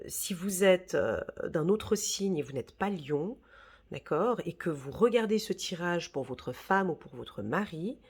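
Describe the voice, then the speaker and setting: A woman's voice: on the low side, slightly rough. A woman giving a casual, reassuring tarot reading, full of fillers and "d'accord?" checks. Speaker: tarot reader.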